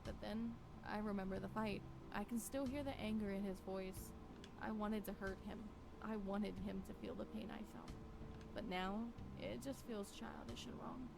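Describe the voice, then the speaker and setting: A woman playing a lonely, regretful wife in a visual novel, wistful and brooding, with deliberate phrasing. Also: mid-range voice, steady tone, over music, natural voice. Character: Violet, lonely regretful wife wandering a forest. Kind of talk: scripted visual novel monologue. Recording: clearly noisy, with ambience behind.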